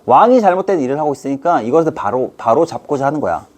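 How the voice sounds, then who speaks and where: Playful husky man teaching history. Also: mid-range voice, big pitch swings, darkish tone. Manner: playful, acts out scenes in quick put-on voices. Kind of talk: lively online history lesson.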